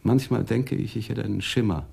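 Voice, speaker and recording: An actor playing a polite, evasive Arab businessman in a radio drama, speaking in a measured, musing, formal way. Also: on the low side, vocal fry, darkish tone, breathy edge, exaggerated voice. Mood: musing, philosophical.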